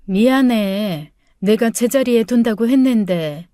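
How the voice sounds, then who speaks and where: A woman's voice: on the high side, lively intonation, measured pace, no room sound, clean studio sound. A woman voicing a worn-out, hurt wife. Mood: pleading. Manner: pleading, then bursting into shouts. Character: hurt, overworked middle-aged wife.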